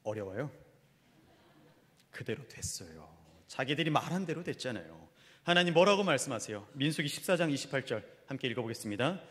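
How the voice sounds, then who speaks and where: A man's voice: medium pitch, a little fast, big-room sound. A male pastor preaching a sermon, asking the congregation questions and acting out quoted complaints. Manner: animated preaching, acts out grumbling quotes, asks the congregation questions. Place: church sanctuary.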